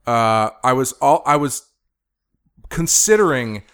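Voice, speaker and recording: A man's voice: mid-range voice, animated, slow pace, a bit bright, clean tone. A man hosting a podcast in a studio, chatting casually and rambling with fillers. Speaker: podcast host. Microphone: studio microphone.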